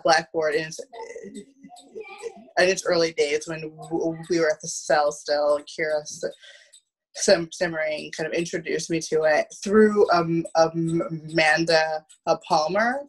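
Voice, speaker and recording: Woman in her thirties, low-pitched, husky, halting delivery, casual video call chat. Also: low-quality recording. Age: 30s. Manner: halting, repeating first syllables of words. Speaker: guest, theatre producer. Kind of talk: casual storytelling in conversation. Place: small room at home, on a video call. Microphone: video call, wearing headphones.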